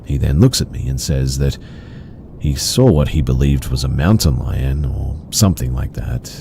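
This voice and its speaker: A man reading out horror stories in an even, measured storytelling delivery. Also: very deep voice, gravelly, a little hiss or hum. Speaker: story narrator. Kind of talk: scripted horror story narration.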